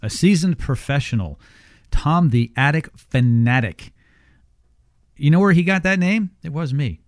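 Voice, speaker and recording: A man's voice: on the high side, expressive, measured pace, no echo. A man hosting a home-improvement radio show, teasing his guest and reading ads in a casual way. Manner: jokey, teasing banter. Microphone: studio microphone. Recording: dry studio sound.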